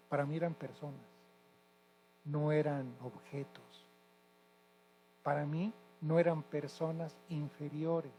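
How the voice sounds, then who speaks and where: Emphatic older teacher, faint hum. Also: male voice, fairly high pitch, warm tone, poor audio. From Mexico. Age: 60s. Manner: emphatic, lecturing, corrects pronunciation. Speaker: retired high school teacher. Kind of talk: interview answers.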